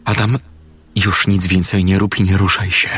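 A steady, persuasive woman detective, read by a man in a crime audiobook. The voice is husky and sits low. Faint music plays underneath. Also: moderate pace, full character voice. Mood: calm. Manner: calm, firm, persuasive. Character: determined female police detective, adult.

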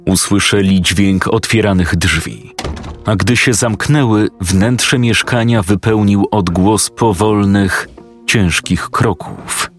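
A man narrating a scripted story in a steady, matter-of-fact way. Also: on the low side, slow pace, faint music behind.

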